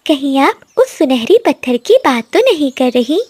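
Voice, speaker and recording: Woman voicing a sweet little cartoon bird, high, lively, dry close sound. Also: moderate pace, no room sound. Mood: cheerful.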